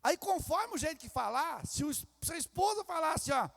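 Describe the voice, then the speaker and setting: Brief: Brazilian pastor, high lively voice, preaching in a long-echo hall. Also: male voice, fairly quick, gravelly. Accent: Brazilian Portuguese. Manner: acts out quarrels in character voices. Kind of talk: sermon. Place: church sanctuary. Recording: reverberant church hall.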